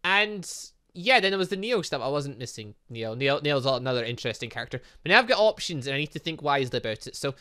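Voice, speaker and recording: This young man's mid-range voice is very animated, pushed and bright yet clean, racing along with hardly any pauses. A gaming YouTuber, he plays a visual novel, reads the dialogue aloud, and rambles through a chatty outro, humming filler sounds.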